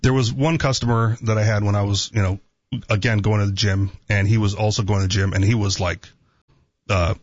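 Low-voiced man, teasing radio co-host. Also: dry recording, muffled recording. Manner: conversational, teasing, asks "right?" a lot. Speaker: radio talk show co-host. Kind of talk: casual talk radio banter.

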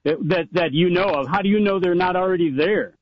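A man's voice: sits high, a little fast. A man calling in to a talk radio show, needling and interrupting, repeating himself in combative casual banter. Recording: dull, dry lo-fi call audio.

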